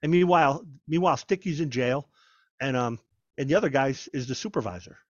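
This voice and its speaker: A man, a former federal agent, telling stories in a conversational interview, animated and often repeating and restarting his words. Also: mid-range voice, brisk, no room sound, dull audio. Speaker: guest, former FBI agent. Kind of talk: conversational storytelling.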